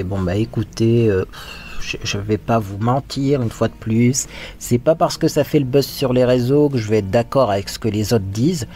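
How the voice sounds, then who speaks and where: A man's voice: mid-range voice, warm tone. Chatty man reviewing makeup, faint music. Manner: chatty, frank, thinking aloud while working. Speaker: makeup vlogger. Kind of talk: casual get-ready-with-me commentary.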